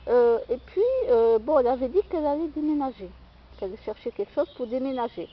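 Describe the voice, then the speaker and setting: A woman's voice: high voice, a little fast. A woman telling a personal story in a rambling, hesitant way, full of fillers and restarts. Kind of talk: casual storytelling monologue. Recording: dull lo-fi recording with faint outdoor noise.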